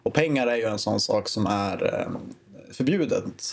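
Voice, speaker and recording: A man, a comedian guest on a podcast, giving mock-serious advice in a deadpan way. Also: fairly low pitch, vocal fry. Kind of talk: podcast chat.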